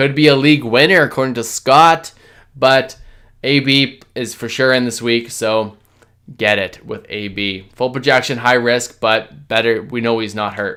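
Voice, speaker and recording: Loud and bright with a sharp tone, a man speaks at medium pitch and a moderate pace with ordinary pitch variation on a very clean recording with a silent background. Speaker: fantasy football podcast host. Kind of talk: live Q&A stream. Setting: livestream. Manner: casual, conversational.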